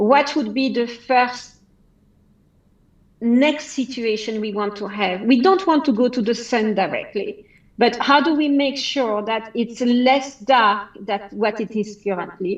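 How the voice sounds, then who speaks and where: A woman speaks at a fairly slow pace with a slight Belgian French accent. Her pitch is fairly high. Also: ordinary pitch variation. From Belgium. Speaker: executive coach and facilitator. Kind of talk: podcast interview.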